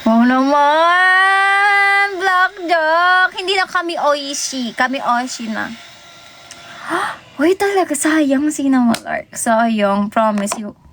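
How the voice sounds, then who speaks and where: A woman's voice: sits high, animated, takes it slowly, fairly bright tone, slight background noise. Giggly young Filipino woman on a live stream. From Philippines. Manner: chatty, giggly, reads out viewer names. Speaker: idol livestreamer. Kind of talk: casual livestream chat. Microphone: phone.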